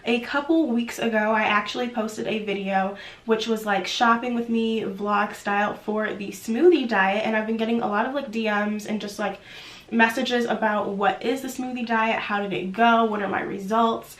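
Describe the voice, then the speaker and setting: A woman's voice: a little high, steady tone, normal speed, roomy sound. A young woman vlogger talking casually to her viewers, sounding nasal from a cold, with lots of "like" fillers. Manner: chatty, filler-heavy with frequent "like". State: sick, nasal. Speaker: YouTube vlogger. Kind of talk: chatty vlog talk.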